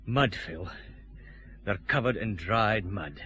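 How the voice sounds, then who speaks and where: An actor playing a calm, commanding Glasgow detective chief inspector in a radio drama, with a Scottish accent. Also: male voice, on the low side, slow pace, a little hiss or hum, exaggerated voice.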